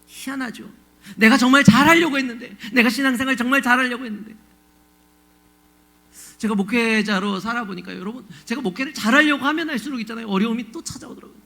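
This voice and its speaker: A male pastor preaching with a strikingly high, gravelly voice and a bright, forceful tone. He talks to the congregation conversationally, often asking them questions. He swings into emotive, pleading delivery when he acts out biblical cries. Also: quick pace. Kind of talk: sermon.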